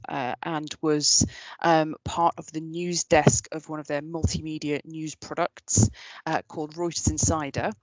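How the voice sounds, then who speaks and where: A woman in her thirties from the UK giving a keynote about her career, earnest and measured, with frequent ums and restarts. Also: low voice, no room sound, poor audio. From United Kingdom. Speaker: keynote speaker. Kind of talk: prepared talk about career, many fillers and restarts.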